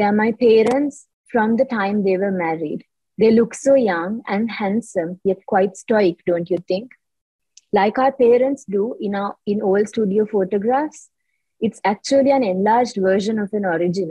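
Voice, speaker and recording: A woman speaks at a moderate pace, somewhat breathy, with ordinary pitch variation. The sound is dry with no echo and the background is quiet. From Sri Lanka. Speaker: panel moderator and writer; panel moderator. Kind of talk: panel moderation. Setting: video call. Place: home room. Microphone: video call.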